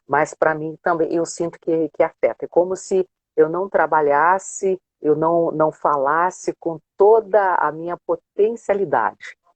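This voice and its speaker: In a plain, everyday voice, the speaker goes at a fairly slow pace with hardly any pauses and ordinary pitch variation. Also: woman, fairly low pitch for a woman. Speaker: radio announcer. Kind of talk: interview answer, casual conversation on a live stream.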